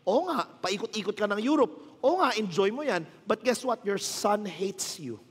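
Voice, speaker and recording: A man's voice: sits high, lively intonation, moderate pace, breathy edge, in a large hall. A man in his thirties with a Filipino accent, a pastor telling stories in a casual sermon with joking asides, his voice strained and tired. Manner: storytelling, mixing Tagalog and English, joking asides. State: tired, strained voice from little sleep. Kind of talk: conversational sermon.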